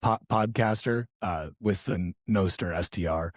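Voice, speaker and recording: A man hosting a podcast, chatting casually, losing his voice and sounding hoarse and gravelly, excitable and swearing casually. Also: low-pitched, a little slow, no echo, studio quality. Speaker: podcast host.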